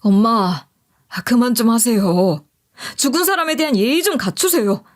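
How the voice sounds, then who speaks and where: Woman doing a fed up adult son in a story, pleading, voice climbing high. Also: expressive, moderate pace, natural voice. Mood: exasperated, pleading. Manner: firm, exasperated, pleading. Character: fed-up grown son pleading with his mother.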